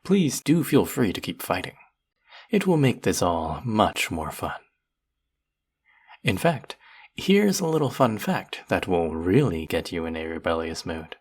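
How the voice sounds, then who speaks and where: A performer playing a gloating, sadistic sorcerer in a roleplay audio drama, cooing over a captive pet in mock-sweet baby talk with a breathy, gravelly voice. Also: sits low, sing-song, unhurried, exaggerated voice. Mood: gloating, teasing.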